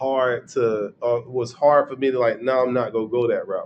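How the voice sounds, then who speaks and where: A man is talking. His speech comes in a Southern US accent. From US South. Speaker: business and content creator. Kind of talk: casual chat. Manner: slow.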